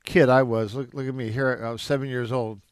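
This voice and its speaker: A man's voice: mid-range voice, steady tone, brisk, clean tone, dry recording. Reflective man telling stories, dry sound. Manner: reflective storyteller with frequent restarts. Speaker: jazz drummer and music educator. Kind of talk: interview answers.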